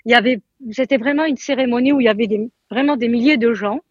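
A woman peace activist talking by phone from a funeral, halting and repeating words over a line that keeps breaking up. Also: on the high side, slightly rough, dry recording, highs cut off. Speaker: peace activist, interview guest. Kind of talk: live phone interview. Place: at a funeral just after the ceremony.

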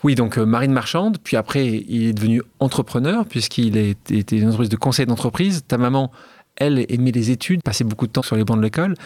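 A man's voice: medium pitch, animated, fast talker, darkish tone, dry recording. A man hosting an interview, asking long, leading questions in a talkative way. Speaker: radio/podcast host. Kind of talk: interview conversation.

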